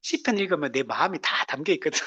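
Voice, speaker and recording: A pastor preaching a conversational sermon, often asking the congregation "right?" and laughing lightly, moving between loud emphatic lines and soft low asides. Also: lively intonation, quick pace, slightly rough, highs cut off.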